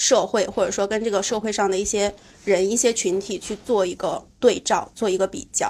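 A woman talks at a moderate pace in an unremarkable speaking voice. Her pitch is fairly high, with ordinary pitch variation. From Jilin, northeast China. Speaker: listener. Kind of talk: casual chat. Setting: live audience event.

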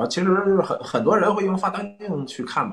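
A man speaks with a northern Chinese accent. His pace is fairly quick. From Hebei, northern China. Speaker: small business owner, second-hand restaurant equipment dealer. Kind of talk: podcast interview. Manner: halting, frequent word repetitions.

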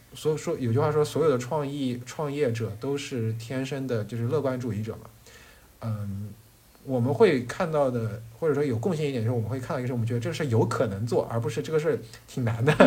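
Audible room echo surrounds a man speaking at a very fast pace with a medium pitch and ordinary pitch variation. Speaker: startup founder and product manager. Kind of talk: podcast interview. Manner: hesitant, many filler sounds.

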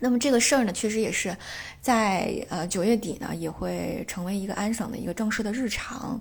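Talking at a fairly quick pace, a woman with a fairly high pitch shows vocal fry and ordinary pitch variation. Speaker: podcast host, mother. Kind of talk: casual monologue.

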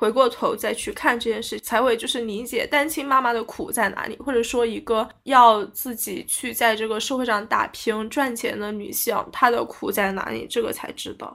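A woman with a bright, sharp tone and a fairly high pitch talks at a moderate pace, with ordinary pitch variation and hardly any pauses. Her loudness swings widely, and the recording is very clean with a silent background. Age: 20s. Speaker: podcast host. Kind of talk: casual chat.

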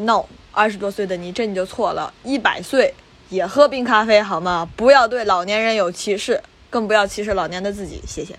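Big swings in loudness from a woman at a medium pitch and moderate pace, her pitch varying in an ordinary way. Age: 20s. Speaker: podcast host. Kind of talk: solo monologue, imagined dialogue with future self. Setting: indoors with a fan. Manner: halting, many fillers.

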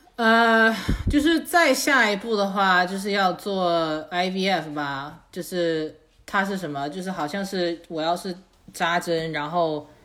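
Her bright, sharp tone at medium pitch rises and falls with lively intonation as the woman speaks at a very slow pace. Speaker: podcast guest. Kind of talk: casual chat.

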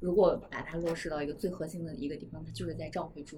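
A woman talks very fast in a very deep, low voice with fairly even intonation, over noticeable background noise. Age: 30s. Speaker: listener. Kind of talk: casual chat.

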